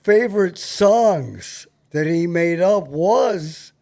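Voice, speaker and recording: A man's voice: high voice, lively intonation, extremely slow, a little mellow. An older man hosting a show, chatting casually and asking questions. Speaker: host. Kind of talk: casual chat.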